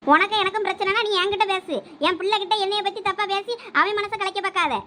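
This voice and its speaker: A woman voicing a shrill, quick-scolding elder sister. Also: steady tone, sharp tone. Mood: defiant. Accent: Thoothukudi Tamil. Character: sharp-tongued middle-aged elder sister and mother. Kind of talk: cartoon family drama voice acting.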